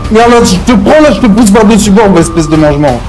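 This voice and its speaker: A man's voice: high voice, lively intonation, fast talker, darkish tone, soft background music, poor audio. A man streaming online game roleplay in character, brash and slangy, swearing often and repeating a verbal tic. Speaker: streamer playing a GTA roleplay gang member. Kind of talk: in-character gaming roleplay chat.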